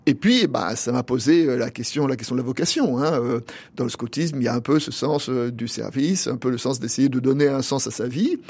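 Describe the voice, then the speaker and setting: A man in his sixties from Paris, a pastor thinking aloud as an interview guest, with frequent pauses and restarts. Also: medium pitch, a little mellow, breathy edge. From Paris, France. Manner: thoughtful, halting, many pauses and restarts. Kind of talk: reflective interview answers.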